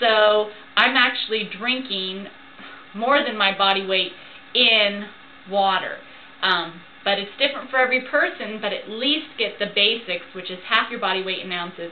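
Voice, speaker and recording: With noticeable background noise and audible room echo, a woman of fairly high pitch talks at a moderate pace with ordinary pitch variation. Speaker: health vlogger. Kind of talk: casual video diary. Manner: halting, with fillers.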